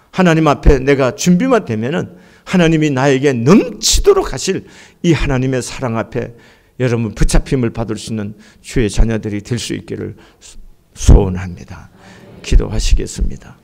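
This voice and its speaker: A middle-aged man from Gangwon Province preaching a sermon as pastor, swinging between soaring and hushed delivery. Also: medium pitch, expressive, normal speed, vocal fry. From Gangwon Province, Korea.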